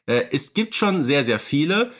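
A man's voice: fairly high pitch, sing-song, moderate pace, a bit bright. A man co-hosting a fan podcast in casual chat, hesitant, searching for words and correcting himself as he goes. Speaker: podcast co-host.

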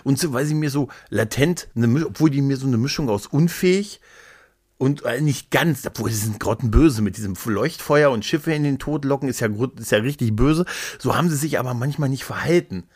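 A man in casual podcast chat, retelling stories in a rambling, animated way as a co-host. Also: mid-range voice, fairly quick, breathy edge, no room sound, clean studio sound. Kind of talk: casual chat, retelling and reviewing audio dramas.

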